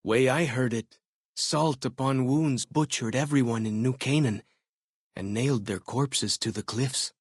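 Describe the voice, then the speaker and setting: A man's voice: mid-range voice, unhurried, husky, no room sound, clean studio sound. A man playing a friendly, curious young tribal scout and guide in a video game, chatty and folksy. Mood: grave. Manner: folksy, chatty, inquisitive, easygoing phrasing. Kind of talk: video game companion dialogue.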